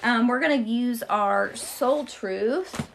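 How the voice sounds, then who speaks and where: A woman hosting a live-streamed tarot card reading. She chats casually with her viewers and speaks calmly and encouragingly when she gives guidance. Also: fairly high pitch, slow, vocal fry, a little hiss or hum. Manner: chatty, addresses viewers directly with y'all.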